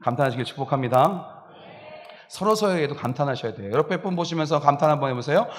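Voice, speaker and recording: A male pastor preaching a sermon, lively and animated, acting out exclamations and laughing along as he speaks. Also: a little high, quick pace. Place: church sanctuary. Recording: reverberant church hall.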